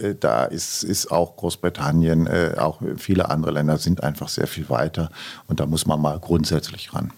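Blunt older man, deep and dark. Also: vocal fry. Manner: blunt and outspoken, many hesitations. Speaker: film distributor. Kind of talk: interview answers.

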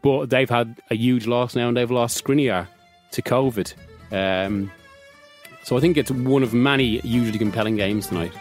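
A man's voice: medium pitch, moderate pace, faint music behind. A man with an Irish accent talking football as a regular on a podcast, chatty, often restarting and laughing. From Ireland. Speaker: football journalist. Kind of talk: casual podcast discussion.

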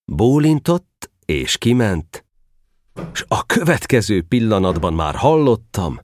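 A man's voice: on the low side, sing-song, no room sound. A man narrating a children's story as storyteller, reading from a script with great expression.

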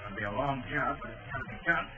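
An actor playing a confident, brisk master detective in a 1940s radio drama, crisp and authoritative. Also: male voice, medium pitch, lightly acted. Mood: assured. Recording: very noisy, tinny 1940s radio recording.

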